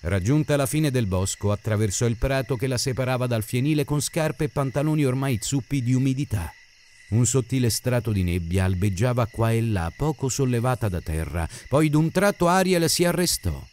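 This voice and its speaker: A man reading an Italian novel aloud as narrator, in an expressive, dramatic style. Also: mid-range voice, normal speed, a little hiss or hum. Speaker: audiobook narrator. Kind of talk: scripted narration.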